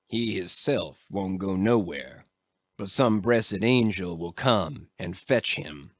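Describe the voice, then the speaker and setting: A man mumbles in a put-on character voice at a fairly low pitch. His pace is fairly slow, with ordinary pitch variation. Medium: read story. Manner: testy, mumbling.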